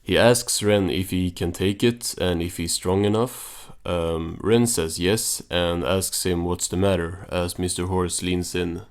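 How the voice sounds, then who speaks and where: A man's voice: low-pitched, steady tone, a little slow, few pauses. A man giving a casual recap and commentary on a cartoon episode in a dry, understated way. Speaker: video reviewer and narrator.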